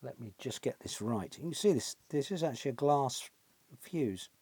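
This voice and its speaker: A man's voice: mid-range voice, lively intonation, moderate pace, darkish tone, slightly rough, dry recording. British man musing at the workbench. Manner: musing, thinking aloud with tag questions. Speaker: repair channel host, electronics technician. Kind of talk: casual hands-on workbench commentary. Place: small cluttered indoor electronics workshop.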